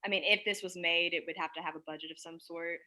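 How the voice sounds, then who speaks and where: A woman with a somewhat low voice talks off the cuff on a group video call. Her style is informal and conversational, like a creator discussing a project with collaborators. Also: steady tone, quick pace, pushed and bright. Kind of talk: casual chat.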